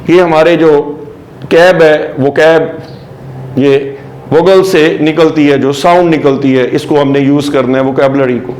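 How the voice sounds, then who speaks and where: Slow-talking male grammar teacher. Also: on the high side, steady tone, darkish tone, echoey room, low-quality recording. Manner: asks questions and answers them himself; mixes English terms into Urdu-flavored Hindi. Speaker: English teacher. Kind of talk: classroom grammar lecture.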